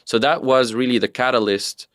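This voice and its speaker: A young man from Tunisia, telling his story as a guest in a relaxed, rambling way. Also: medium pitch, normal speed, dry recording, clean studio sound. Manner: relaxed, rambling with fillers and restarts. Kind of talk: casual interview storytelling.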